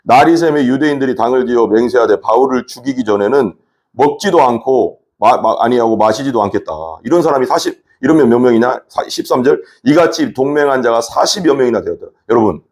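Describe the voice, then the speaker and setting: A man preaching a sermon as pastor, telling his story in an animated way. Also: fairly quick. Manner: animated storytelling preacher, lively swings in pitch. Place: church.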